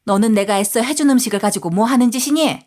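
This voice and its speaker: A woman's voice: fairly high pitch, fast talker, a little mellow, natural voice. A woman voicing a harsh, scornful older mother-in-law in a story reading, speaking in curt, scolding phrases.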